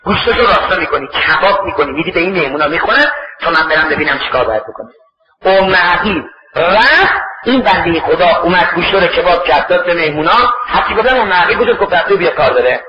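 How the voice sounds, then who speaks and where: A man's voice: high voice, lively intonation. A male preacher telling a religious story in an emotive sermon, acting out the characters' lines and letting his voice break with grief, on a distant, roomy and dull recording.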